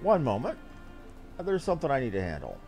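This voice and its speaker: A man's voice: mid-range voice, huge pitch swings, fairly quick, music in the background. A man giving casual, informal livestream commentary as he plays a game, with joking and some swearing. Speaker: game streamer.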